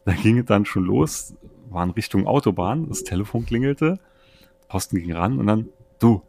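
A man of around forty from Germany, casually telling anecdotes as a podcast host in a chatty, animated way. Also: fairly low pitch, moderate pace, gravelly, slight background noise. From Saarland, Germany. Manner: chatty, animated storyteller who acts out friends' dialogue.

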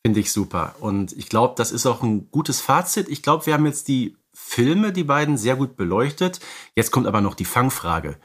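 A man's voice: medium pitch, big pitch swings, moderate pace, slightly rough. Man in casual film podcast conversation. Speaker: podcast co-host.

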